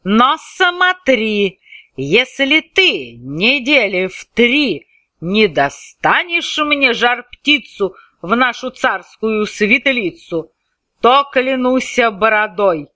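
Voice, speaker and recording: A blustering old tsar barks commands and threats, as a woman reading verse puts him on. The voice sits high and swings widely from line to line. The recording is close and dry. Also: bright, forceful tone, no echo, exaggerated voice. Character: angry, boastful old tsar.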